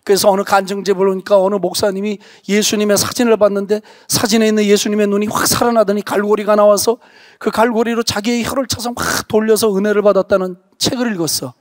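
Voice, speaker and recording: Male pastor, high register, dry close sound; earnest testimony-driven revival preaching, sudden hushed emphasis. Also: level tone, fast, no echo. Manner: earnest, emphatic storytelling, drops to a hush for stress. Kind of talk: revival sermon with personal testimony. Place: church revival meeting.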